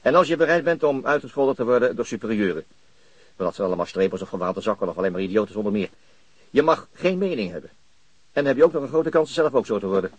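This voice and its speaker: A man's voice: mid-range voice, fast talker, slightly rough, no echo, muffled recording, lightly acted. An actor playing a reserved, slightly awkward policeman in a naturalistic radio drama, polite and hesitant. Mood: cynical. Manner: hesitant, terse, with murmured replies.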